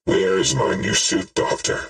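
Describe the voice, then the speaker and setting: A man's voice: fairly bright tone, distant mic. A man voicing a cold, menacing villain with a tinny metallic voice as a tabletop game master. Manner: cold, threatening, slow and deliberate.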